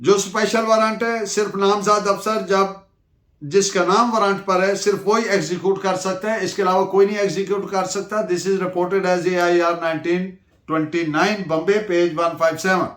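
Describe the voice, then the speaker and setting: An echoey recording of a Pakistani man with a high-pitched voice, lecturing in a didactic way. He poses questions, answers them himself and dictates references as a teacher does for note-taking. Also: fairly even intonation, measured pace, a bit bright. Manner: didactic, poses questions then answers them, switches between Urdu and English. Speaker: law lecturer. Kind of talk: lecture with case-law dictation. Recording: echoey room sound.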